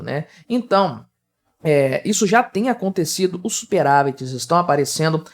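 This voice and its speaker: A man with a Brazilian Portuguese accent giving solo economic commentary in a conversational way, with frequent tag questions, fillers and pitch that jumps up on key words. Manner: lively, emphatic shifts of pitch on key words.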